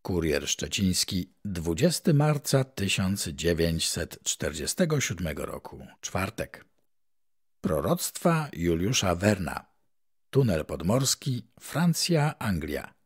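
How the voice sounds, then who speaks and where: Deep husky-voiced man reading the news. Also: big pitch swings. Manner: measured, announcer-like delivery. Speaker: professional voice-over reader and journalist. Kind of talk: reading old newspaper articles aloud.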